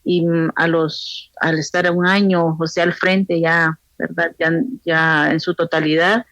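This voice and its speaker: A woman from Honduras with a Honduran accent, a pastor answering interview questions thoughtfully, with frequent pauses and restarts. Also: on the low side, little pitch movement, fairly bright tone, no echo. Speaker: pastor's wife and guest.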